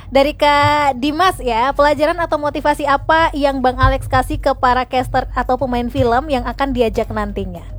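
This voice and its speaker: High-voiced woman hosting an interview. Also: steady tone, normal speed. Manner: attentive, with constant short murmurs of agreement. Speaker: host. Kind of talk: live-stream interview.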